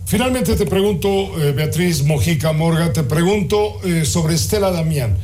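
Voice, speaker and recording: A male interviewer with a rather high voice who asks probing, pointed questions. A faint hiss of noise sits behind him. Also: expressive, moderate pace, a little mellow.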